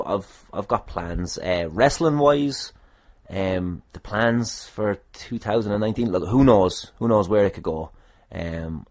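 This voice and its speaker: Deep-voiced Irish podcast host. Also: male voice, a little mellow. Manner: self-deprecating, rambling, dry-humoured. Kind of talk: casual solo podcast talk.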